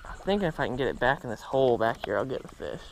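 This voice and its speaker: A man's voice: mid-range voice, very animated, quick pace, low-quality recording. A young American man chatting casually as a fishing vlogger on a boat. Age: young adult. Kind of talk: casual vlog chat. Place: outdoors on a small boat on backwater. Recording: outdoor boat noise, water ambience.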